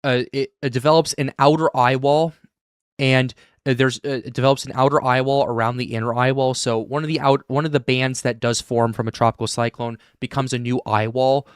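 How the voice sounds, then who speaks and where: A man hosting a live weather stream, talking in halting bursts with many restarts. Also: mid-range voice, steady tone, clean tone, dry recording, clean studio sound. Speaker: livestream host.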